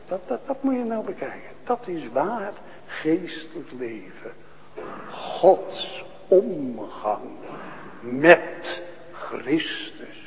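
Slow, echoing Dutch-language preacher man. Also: a little high, big pitch swings, lo-fi sound. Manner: slow, questioning, swings from hushed to loud proclaiming. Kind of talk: sermon. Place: church.

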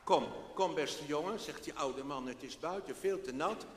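A man voicing a kind, slow old man who speaks gently and coaxingly. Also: on the high side, a little hiss or hum, close to an everyday voice. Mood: gentle. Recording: echoey hall, faint background.

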